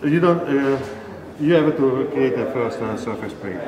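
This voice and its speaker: A man's voice: mid-range voice, animated, dull audio. A man with an Italian accent, teaching a scraping technique, hesitant with many fillers, in a busy shop at an engine show. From Italy. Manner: halting explanation with many uh fillers. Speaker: scraping instructor. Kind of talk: hands-on shop demonstration. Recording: roomy echoey hall, mic far off, crowd chatter.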